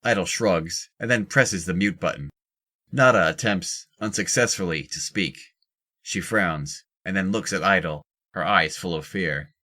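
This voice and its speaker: A very low-pitched narrator for an audio drama. The delivery is scripted narration, describing the characters' actions as they happen. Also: unhurried, sharp tone.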